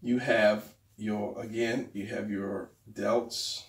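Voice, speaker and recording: A man teaching how to draw the torso as he sketches. His voice is going hoarse, and he trails off and mutters while he works. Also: on the low side, flat delivery, takes it slowly, a little hiss or hum. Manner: talks while drawing, trailing off and muttering to himself. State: losing his voice. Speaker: art instructor. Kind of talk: drawing tutorial while sketching. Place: indoors at a desk. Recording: roomy, slightly distant mic.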